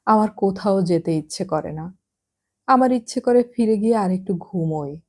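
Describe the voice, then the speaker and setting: A woman narrating a literary novel as an audiobook, reading in a measured, reflective way. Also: medium pitch, animated, a little mellow, breathy edge.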